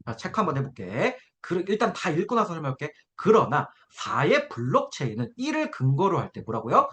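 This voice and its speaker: A man's voice: a little high, very animated, a little fast, a bit bright. A man teaching an exam-prep essay class, walking students through a graph and checking in with them constantly to see that they follow. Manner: coaxing, keeps checking in with students. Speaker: essay-writing instructor.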